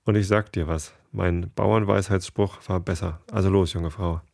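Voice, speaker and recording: A man's voice: deep voice, steady tone, normal speed, creaky, a little mellow, no echo, clean studio sound. A man voicing a jovial, teasing male guardian angel who bosses a young woman around playfully.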